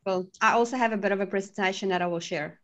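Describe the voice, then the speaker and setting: A woman in her thirties from Africa, speaking. She presents her podcast over a video call, friendly and eager, at a steady, mid-range pitch. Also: fast talker, dull audio. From South Africa. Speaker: podcast guest. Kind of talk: casual presentation.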